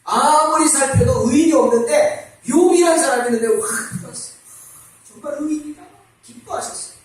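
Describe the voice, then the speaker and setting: A high-pitched male pastor delivers a sermon, asking the congregation question after question and acting out biblical dialogue in different voices. He sounds far from the microphone, and the church around him is very echoey. The long reverb trails after each phrase. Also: fairly quick. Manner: acts out dialogue between God, Satan and Job. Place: church sanctuary.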